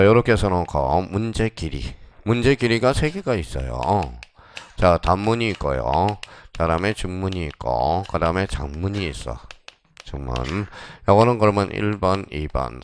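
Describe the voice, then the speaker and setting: A man lecturing on exam technique in a classroom, quizzing students with quick questions and answering them himself. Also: low voice, expressive, a little hiss or hum.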